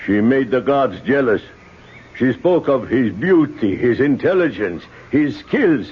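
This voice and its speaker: An actor in an old radio drama playing a vengeful bereaved tribal father, solemn, terse and deliberate. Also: mid-range voice, expressive, lightly acted. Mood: grim. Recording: muffled old radio recording with hiss.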